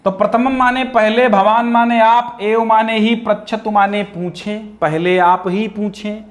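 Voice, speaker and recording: A man's voice: high-pitched, unhurried. A male teacher walking through a Sanskrit text line by line, repeating each phrase and adding playful asides. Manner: animated, repetitive explaining with playful asides. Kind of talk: line-by-line Sanskrit lesson explained in Hindi.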